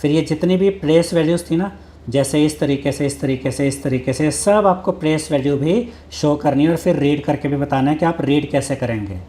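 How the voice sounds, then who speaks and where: A man teaching a maths lesson, explaining step by step, repeating each point, and reading textbook lines slowly. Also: on the high side, mellow. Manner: mixes Hindi with English maths terms, reads English textbook lines slowly.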